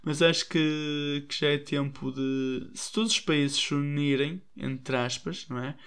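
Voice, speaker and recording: A man's voice: on the high side, fairly even intonation, a little slow, a bit bright, clear, resonant tone. A young man with a European Portuguese accent talking in a casual commentary to his listeners, hesitant, with many restarts and fillers.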